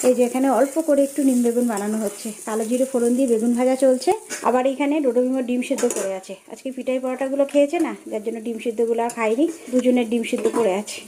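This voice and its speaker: A woman's voice: high voice, dark tone, a little hiss or hum. A woman, a mother and family vlogger, chatting casually as she narrates meals and chores around her home. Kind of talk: casual home vlog chat.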